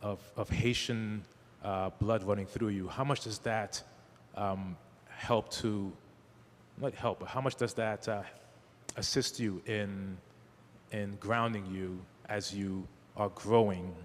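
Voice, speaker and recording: A man from the Caribbean asks a question from the audience, halting and filling his pauses. His voice is low, with long hall reverb and faint noise around it. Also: fairly even intonation. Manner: halting, many fillers. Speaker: audience member.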